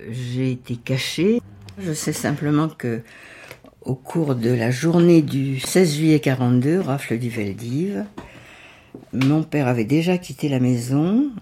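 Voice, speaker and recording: An older woman whose first language is Yiddish, recalling her past in a halting, reflective interview. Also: very deep voice, warm tone, slight background noise. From France. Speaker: witness. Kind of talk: interview testimony.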